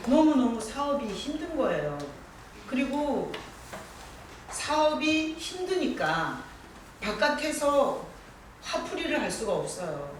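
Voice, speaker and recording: A pastor delivering a sermon from the pulpit in a middle-pitched voice, telling stories with gentle humor and calling on people in the pews by name. The voice rings through a very echoey church hall and sounds somewhat distant from the mic. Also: a little hiss or hum. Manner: warm storytelling with gentle humor; addresses congregation members by name.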